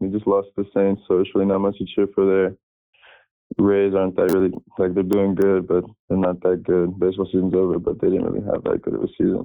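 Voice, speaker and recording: In an American accent, a man with a very deep, low voice talks very fast with monotone, flat intonation. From US Midwest, Detroit, Michigan. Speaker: caller. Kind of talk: casual chat. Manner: casual, filler-heavy.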